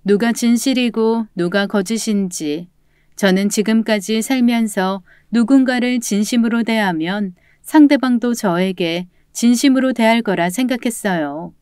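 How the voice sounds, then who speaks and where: A woman's voice: fairly high pitch, measured pace, darkish tone, smooth, dry recording. A woman telling a first-person story in a scripted, earnest narration, close to the mic.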